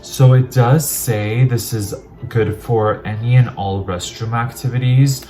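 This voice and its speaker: A man's voice: mid-range voice, fairly even intonation, a little slow, mellow, soft background music. A man chatting casually as he unboxes and tries products, rambling and poking fun at himself. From Armenian heritage. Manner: chatty, rambling, self-deprecating. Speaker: vlogger.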